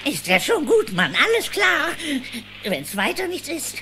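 An actress playing a cheeky, unimpressed cartoon woodpecker, flippant and brisk. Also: female voice, sits high, wildly swooping pitch, heavily acted. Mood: squeezed, annoyed. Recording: clear background noise.

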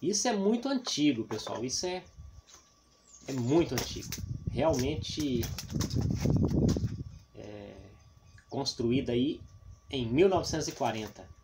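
A vlog host from Paraná, Brazil, narrates a casual exploration of an abandoned roofless house and its overgrown grounds on a handheld camera, chatting to his viewers and tossing in frequent tag questions. His medium-pitched, gravelly voice is sing-song and slow, with long pauses. The outdoor recording is noisy.

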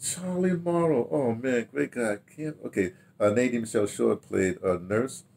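An older man with an American accent, reminiscing casually to camera in a rambling, halting way, repeating words as he goes. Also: medium pitch, vocal fry, a little mellow, slight background noise. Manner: rambling, halting delivery, repeating words, checking notes aloud. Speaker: radio drama producer recalling past productions. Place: small book-lined room at home, indoors.

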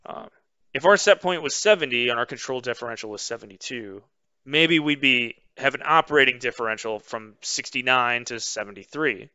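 A man walks through a recorded webinar lesson, pausing on "um" as he explains each slide. His voice is bright and smooth. The audio is dry and close, with a slightly muffled band. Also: mid-range voice, no room sound. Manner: measured explanatory pace with frequent "um" fillers. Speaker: instructor. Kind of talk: webinar lecture over slides.

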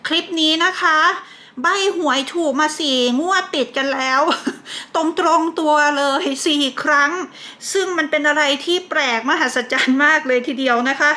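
A woman with a high, bright voice gives a casual tarot reading. She chats easily, laughs often and stretches out the names of the cards as she lays them down. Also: normal speed. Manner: chatty, laughs often, drags out card names. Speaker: tarot reader.

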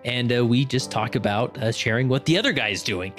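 A man's voice: mid-range voice, a little fast, fairly bright tone, soft background music. Upbeat male podcast host, chatty. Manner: upbeat, chatty, frequent fillers and restarts. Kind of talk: casual interview and scripted promo read.

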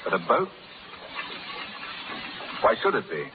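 An actor playing a bold, sardonic Irish rebel doctor in 1930s radio drama style. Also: male voice, medium pitch, wildly swooping pitch, slow. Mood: brooding, guarded. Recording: crackly 1930s live radio, tinny, audience noise. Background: loud audience and crackle.

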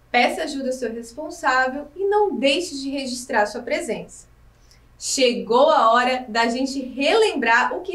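A woman with a high, sing-song voice teaches small children, slow and clear, asking them questions as she goes. She stands a bit back from the mic in an echoey room. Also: recorded from a distance. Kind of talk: recorded lesson for young children.

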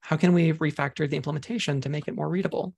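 A man presenting a programming webinar over slides, talking in a measured way with frequent ums while he is losing his voice. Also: fairly high pitch, fairly even intonation, creaky, darkish tone, husky. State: losing his voice, clearing throat.

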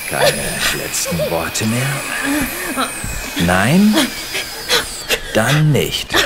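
An older man playing a sadistic, mocking policeman who kills, in a taunting, unhurried radio drama style. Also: lowish voice, huge pitch swings, full character voice. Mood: gloating. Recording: loud noise behind the voice.

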